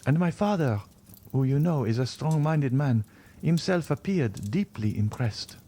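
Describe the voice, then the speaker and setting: A man's voice: mid-range voice, expressive, unhurried, dark tone, slight background noise, pitched above the performer's own voice, lightly acted. A man voicing an anxious, tender young woman in an audiobook.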